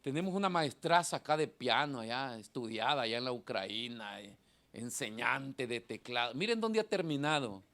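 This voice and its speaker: This is a middle-aged male pastor's sermon in a church hall, where he shifts between shouting and quiet asides. He has a thin, nasal, mid-range voice and keeps a moderate pace.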